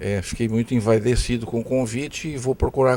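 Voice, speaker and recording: A man speaks in a dark, mellow tone at a medium pitch. His pace is moderate. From southern Brazil, Rio Grande do Sul. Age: 70s. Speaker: lawyer and businessman, recovering alcoholic. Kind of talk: interview testimony.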